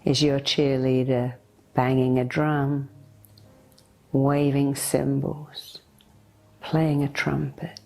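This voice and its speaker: A woman leading a guided meditation in a soothing, deliberate way, speaking directly to the listener as a hypnotherapist would. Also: a bass voice, little pitch movement, dark tone. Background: meditation music.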